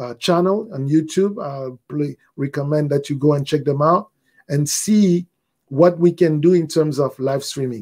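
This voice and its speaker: A man's fairly high, dark, mellow voice with a French accent, at a moderate pace. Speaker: video production tutor and live stream host. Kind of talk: live stream tutorial closing chat. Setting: live stream. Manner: halting, with fillers and restarts.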